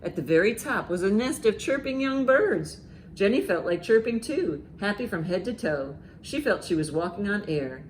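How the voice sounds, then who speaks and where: A woman hosting a children's storytime, reading aloud and reciting rhymes with expressive, deliberate emphasis. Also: mid-range voice, slight background noise, poor audio. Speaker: library storytime host.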